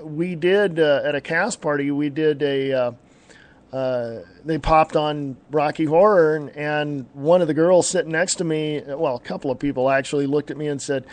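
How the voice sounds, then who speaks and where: A man's voice: on the high side, normal speed. A man in his fifties hosting a live talk show, chatting casually with many fillers and frequent laughs. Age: 50s. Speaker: podcast host. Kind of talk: casual chat.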